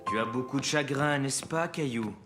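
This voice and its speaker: A man voicing a patient, reassuring father in a French children's cartoon, speaking gently and expressively. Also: medium pitch, moderate pace, over loud music, lightly acted. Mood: consoling.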